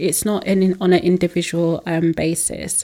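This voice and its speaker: This woman talks at a medium pitch, with vocal fry running through her voice. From Nigeria. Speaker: podcast host.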